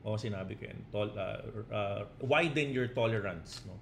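A man's voice: fairly low pitch, moderate pace, gravelly, slight background noise. A man, a crypto trading coach on a casual live stream who mixes Tagalog and English, reads out chat comments and keeps tagging his points with 'no?' and 'di ba?'.

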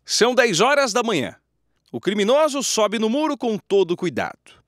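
A man's voice: high-pitched, very animated, moderate pace, fairly bright tone, no room sound, clean studio sound. A man narrating news footage in a playful scripted way, with jokey asides to viewers.

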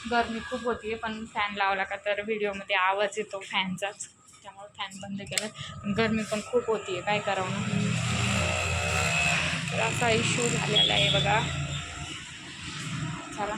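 A woman's voice: medium pitch, flat delivery, measured pace, pauses often. A young woman talking casually to her viewers in a family vlog, chatting about her day and coaxing and scolding her small children. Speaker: vlogger, mother of two small children. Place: small shop, near a road with passing vehicles. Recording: phone audio with clear traffic noise. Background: traffic noise from the road.

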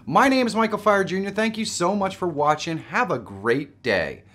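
A man's voice: high-pitched, expressive, normal speed, a bit bright. A middle-aged man, hosting a live stream in a casual, enthusiastic, informal tutorial style. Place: small indoor home studio.

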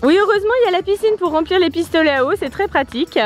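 A mother who hosts a family channel narrates a toy review vlog outdoors beside a garden pool, showing off water toys playfully and teasingly while laughing often. Her voice is very high-pitched and animated, and she talks very fast. Loud music plays behind her.

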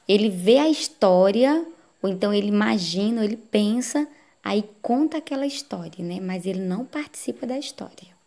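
A woman teaching adult learners in a recorded lesson, her voice mellow and low in brightness with a gravelly edge. She explains step by step, often pausing to ask if the class follows. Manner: explaining slowly with frequent "né?" tag questions.

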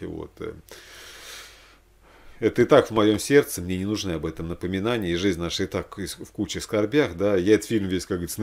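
A man speaking casually and ramblingly as he recommends things to watch, halting and repeating himself for emphasis. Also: sits low, creaky, darkish tone. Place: small room indoors.

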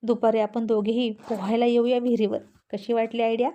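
A woman's voice: fairly high pitch, little pitch movement, a little fast, mellow, lo-fi sound, close to an everyday voice. A woman voicing a nimble, cheerful young village man who is cheeky but polite, in a storybook reading.

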